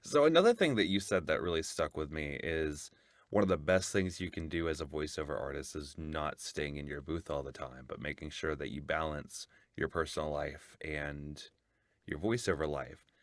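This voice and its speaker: A man hosting a podcast, asking a guest questions in a lively, curious way. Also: rumbling low, moderate pace, no echo. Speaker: podcast host. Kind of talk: interviewing a guest.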